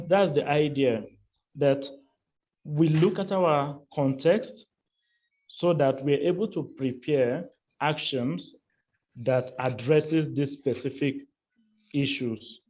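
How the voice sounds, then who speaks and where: A man trainer speaking deliberately over a video call, halting and repeating words as he sums up the group work. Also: on the high side, a little mellow. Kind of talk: workshop debrief on a video call. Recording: muffled call audio with faint music.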